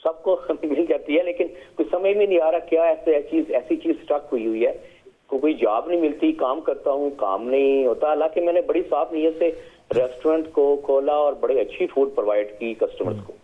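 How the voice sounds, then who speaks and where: A middle-aged man from Pakistan, calling in to a show and speaking hesitantly with many fillers and English words. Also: on the high side. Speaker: caller. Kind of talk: phone-in call to a TV show. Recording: tinny phone line.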